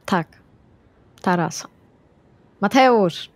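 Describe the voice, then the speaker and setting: A woman's voice: medium pitch, animated, drawn-out words, no room sound. Close, dry-sounding woman at game. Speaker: tabletop roleplaying player. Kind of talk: casual in-character game chat.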